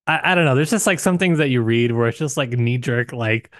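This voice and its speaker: Casting: man, casual podcast co-host, thinks aloud with lots of restarts, medium pitch, dry close recording. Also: fairly quick, no room sound. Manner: hesitant, many restarts and hedges, animated pitch jumps. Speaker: podcast co-host discussing a novel. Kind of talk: casual book discussion.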